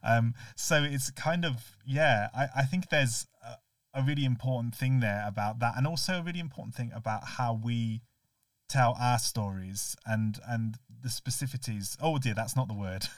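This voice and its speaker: A man's voice: mid-range voice, moderate pace, dry recording, clean studio sound, distant mic. A man hosting a podcast, speaking thoughtfully and hesitantly and rephrasing as he goes. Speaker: podcast host. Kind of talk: casual podcast conversation.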